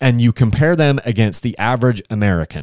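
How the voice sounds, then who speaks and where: Recorded very cleanly with a silent background and a dry, close sound with no echo, a man with a plain, everyday voice speaks at a medium pitch with lively intonation. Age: 40s. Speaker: podcast host. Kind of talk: casual chat. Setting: studio.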